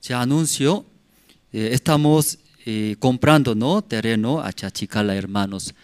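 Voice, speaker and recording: A man's voice: medium pitch, unhurried, a little mellow, clear, resonant tone, dry recording, clean studio sound. A male pastor, preaching a sermon in short phrases that he asks and answers himself. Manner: asks and answers his own questions, acts out sounds. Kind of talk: prayer service sermon. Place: church.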